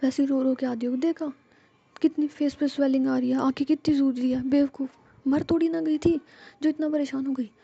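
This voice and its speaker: A woman's voice: high voice, steady tone, fairly quick, creaky, dark tone, lo-fi sound, pitched above the performer's own voice. A woman voicing Jiya, a protective young woman who scolds and soothes her partner affectionately. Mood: scolding fond.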